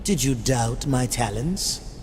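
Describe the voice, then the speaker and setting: A man's voice: mid-range voice, expressive, slow, a little mellow. An actor playing a smug, haughty male demon sorcerer in a video game, drawling theatrically with condescension. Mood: smug, aloof. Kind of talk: video game cutscene acting. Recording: long reverb, noisy backdrop.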